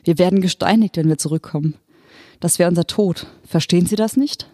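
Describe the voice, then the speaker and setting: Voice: medium pitch, brisk, mellow, no echo, studio quality, pitched above the performer's own voice, natural voice. A reader voicing a desperate pregnant mother. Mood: distraught. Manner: pleading, pressed, voice shaking. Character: desperate pregnant mother pleading for her children. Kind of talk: audiobook character voice.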